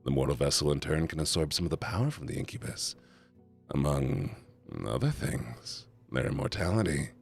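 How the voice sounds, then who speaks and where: Male streamer, deep voice, very lively pitch; reads game text and chats with viewers; faint music underneath. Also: moderate pace, gravelly. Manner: animated, jumps between reading aloud and chatty asides to chat. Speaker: streamer voicing a visual novel. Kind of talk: live stream reading and reacting.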